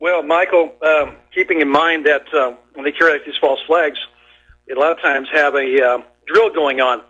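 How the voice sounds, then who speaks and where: A man calling into a radio show, reasoning aloud in a measured way. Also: fairly high pitch, steady tone, pushed and bright, lo-fi sound. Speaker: caller. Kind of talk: phoned-in radio call.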